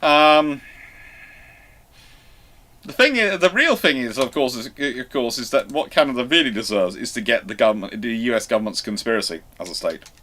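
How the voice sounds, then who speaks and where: A man with a middle-pitched voice hosts a casual live discussion. He talks haltingly, circling back over his phrases and rewording them as he goes. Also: lively intonation, bright, forceful tone. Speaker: host of a live history question show.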